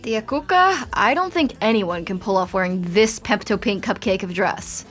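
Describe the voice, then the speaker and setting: A woman's voice: mid-range voice, lively intonation, normal speed, fairly bright tone, natural voice. A woman playing a sullen, sarcastic fifteen-year-old Latina girl, exasperated and whiny, in an audio drama. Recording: music behind the voice.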